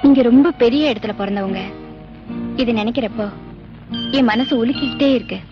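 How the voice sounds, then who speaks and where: A woman's voice: a little high, a little fast, close to an everyday voice. An actress playing a shy, hesitant young village girl in love. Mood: timid. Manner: timid, hesitant. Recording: dull lo-fi film audio with music.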